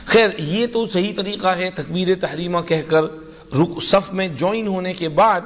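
A man's voice: high voice, a bit bright. Man teaching a hadith lesson, reverberant hall. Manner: explanatory, slow and deliberate. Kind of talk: religious lesson.

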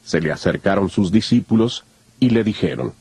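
A man's voice: fairly low pitch, animated, normal speed, mellow, breathy edge, no room sound. A man narrating a dramatized scripture recording from a script. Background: faint music.

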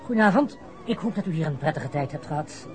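An actor playing a courteous, reserved embassy official in a radio drama. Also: male voice, on the high side, animated, quick pace, darkish tone, some chatter behind, close to an everyday voice. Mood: polite.

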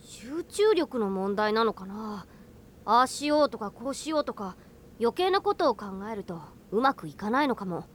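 A woman voicing a gentle, studious young boy mage in a Japanese anime audio drama, earnest and a little teacherly. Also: on the high side, sing-song, moderate pace, slight background noise. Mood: calm, explaining. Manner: soft-spoken, earnest, teacherly.

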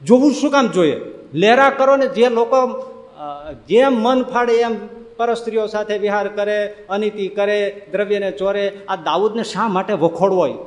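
A man with a high, ringing voice delivers a lively storytelling sermon. He builds his points through rhetorical questions and often laughs along the way. A long reverb trails his words, as if he is speaking in a large hall. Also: normal speed. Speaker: spiritual speaker.

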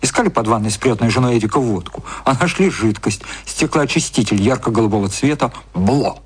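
A man narrating an audio drama in a scripted literary style, with a slightly husky voice. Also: medium pitch, lively intonation, a little fast. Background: music.

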